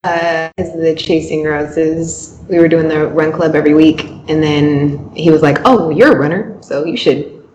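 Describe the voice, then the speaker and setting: A woman's voice: sits low, fairly even intonation, a little slow, a little mellow, lo-fi sound, slight background noise. A woman from Washington State, a guest on a casual podcast, talking cheerfully and laughing easily. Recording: echoey room.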